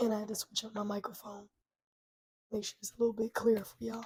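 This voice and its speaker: Fairly high in pitch and dark, mellow in tone, a woman speaks at a fairly quick pace. Her voice sounds somewhat breathy and strained. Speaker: vlogger. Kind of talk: casual vlog talk. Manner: strained speech.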